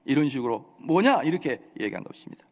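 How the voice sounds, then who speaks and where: A man's voice: fairly high pitch, big pitch swings, a little fast, darkish tone. A male pastor preaching a sermon, acting out quoted voices and scolding with rhetorical questions. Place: church sanctuary. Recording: echoey church hall.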